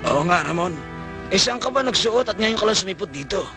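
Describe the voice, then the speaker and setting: A man's voice: high-pitched, lively intonation, a little fast. An actor playing a stern but caring old grandfather in a 1980s Filipino action film, with a Filipino accent. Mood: concerned. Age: older. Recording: old film soundtrack with loud music.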